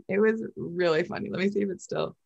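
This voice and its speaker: A woman's voice: medium pitch, a little fast, creaky, breathy edge, dull audio. Laughing, chatty podcast host woman. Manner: animated, laughing easily, swears casually. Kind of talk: casual interview chat.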